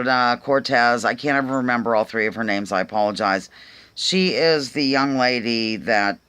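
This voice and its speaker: A woman with a Pennsylvania accent muses aloud to her viewers in a bright, sharp-toned voice. She rambles and restarts often, trailing off into ums as she works through earnest questions. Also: very deep voice, clean tone. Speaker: vlog host. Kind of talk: casual musing monologue to viewers.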